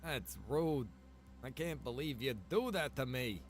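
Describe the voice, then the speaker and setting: A man's voice: mid-range voice, expressive, unhurried, soft background music. A man streaming a game, chatting casually and rambling as he thinks aloud. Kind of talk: casual livestream gameplay chat.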